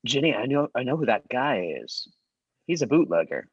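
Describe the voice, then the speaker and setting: A man's voice: medium pitch, sing-song, normal speed, husky, no room sound. A man voicing a stern, protective, earnest young brother in a screenplay table read, over muffled call audio. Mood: urgent, reproachful.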